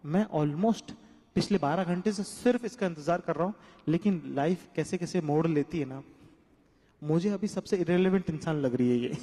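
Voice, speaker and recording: A man doing stand-up comedy in Hindi, telling a story with acted-out quotes and moving from hushed asides to shouting. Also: fairly high pitch. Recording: echoey hall with audience noise.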